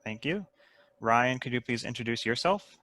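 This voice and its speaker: Bright-voiced man reading stage directions. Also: mid-range voice, animated, moderate pace, dry recording. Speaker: host, writer and stage directions reader. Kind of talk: scripted narration of stage directions.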